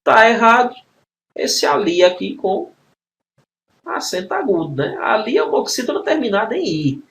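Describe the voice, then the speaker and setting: A man's voice: sits high, very animated, moderate pace, gravelly, a bit bright. A man teaching a grammar exam-prep lesson, explaining spelling rules step by step and checking in with frequent tag questions.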